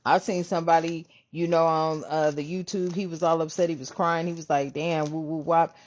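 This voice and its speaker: A woman host giving a casual spiritual reading, animated and profane, calling her viewers family. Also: deep voice, a little fast, lo-fi sound. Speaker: spiritual reader, channel host.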